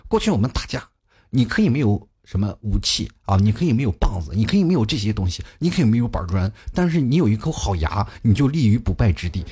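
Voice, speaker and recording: A talk show host, delivering a comic monologue in a slightly low, husky voice. His pitch jumps around as he tells his stories, and he laughs at his own punchlines. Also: fast. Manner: animated, chatty, laughs at his own jokes.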